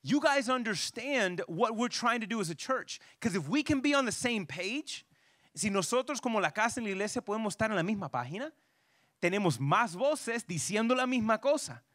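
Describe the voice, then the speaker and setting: A man's voice: sits high, very animated, normal speed, fairly bright tone, dry recording, clean studio sound. A man leading a church parenting workshop. He says each point twice, asks the audience questions, and keeps checking in with "right?" and "you know". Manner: restates each point twice, switching back and forth.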